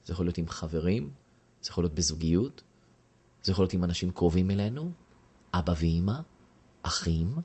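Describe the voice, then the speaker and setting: A man's voice: low voice, lively intonation, long pauses, a little mellow, husky. A man giving a lecture to a class and asking the audience questions. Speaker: teacher.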